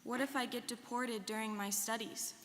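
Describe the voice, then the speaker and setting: A woman's voice: on the high side, steady tone, moderate pace, a bit bright, close to an everyday voice. A young woman performing an earnest, rehearsed first-person reading as a student on stage. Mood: earnest recollection. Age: young adult. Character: earnest young woman telling her life story. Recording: reverberant hall with faint noise.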